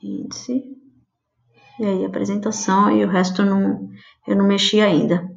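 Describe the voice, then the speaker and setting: A woman's voice: mid-range voice, flat delivery, normal speed, vocal fry. Chatty woman teaching over a webcam. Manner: chatty, many fillers and pet phrases. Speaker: design instructor. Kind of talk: casual screen-share tutorial. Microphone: webcam video call. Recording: slightly dull lo-fi webcam audio.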